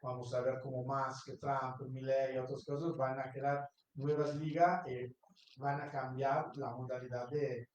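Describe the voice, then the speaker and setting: A man from Italy speaking Spanish with an Italian accent, commenting from the audience with halting, repeated words. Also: mid-range voice, level tone, a little mellow, lo-fi sound, a little hiss or hum. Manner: halting, repeats words, non-native phrasing. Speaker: audience member. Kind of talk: public Q&A comment. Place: university lecture hall. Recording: echoey lecture hall from far off.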